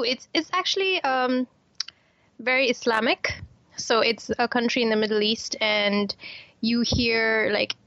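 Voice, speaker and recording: A woman's voice: fairly high pitch, creaky, a bit bright, no room sound, highs cut off. A woman from Kuwait, an author and doctor, answering interview questions in a chatty way, with fillers and repeated words.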